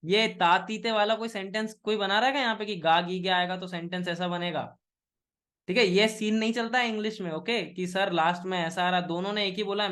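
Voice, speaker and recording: A man from India teaching English in a live online class, mixing Hindi and English, often asking students questions and slowing down on example sentences. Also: high voice, a bit bright. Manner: Hinglish, engaging students with questions; slow, pausing model sentences.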